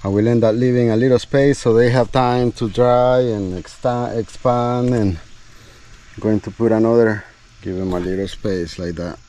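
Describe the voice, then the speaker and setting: A man's voice: medium pitch, fairly even intonation, normal speed, warm tone. A man talking casually to viewers while he works outdoors, thinking aloud in short, trailing phrases. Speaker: outdoor bushcraft video host. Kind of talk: casual talk while working. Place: outdoors at a building site.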